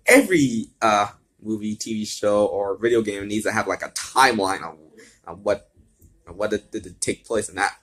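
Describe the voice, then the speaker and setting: A man's voice: lowish voice, expressive, moderate pace, a bit bright. A man reading fan fiction aloud with casual asides, often stumbling over words and repeating himself.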